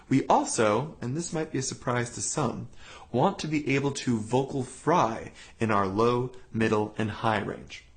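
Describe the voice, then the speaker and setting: Man explaining voice exercises, lively pitch. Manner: calm, clear step-by-step explaining with sung demonstration sounds. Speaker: voice teacher. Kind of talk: instructional voice lesson.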